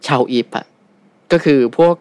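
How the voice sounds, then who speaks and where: A man telling a story casually as a guest, relaxed, with many fillers. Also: moderate pace, dry recording.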